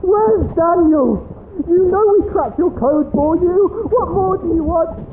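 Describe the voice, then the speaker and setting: A woman playing a frantic, defiant captive, shouting desperately in an audio drama. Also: very high voice, a little slow. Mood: desperate, furious. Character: frantic, defiant captive being dragged away. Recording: tinny, thin, noisy recording.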